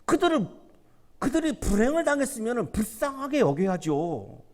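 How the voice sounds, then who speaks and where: A male pastor preaching an animated sermon, asking his congregation questions and acting out the voices in the story. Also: extremely high pitch, normal speed. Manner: asks the congregation rhetorical questions. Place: university church sanctuary. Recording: long church hall reverb.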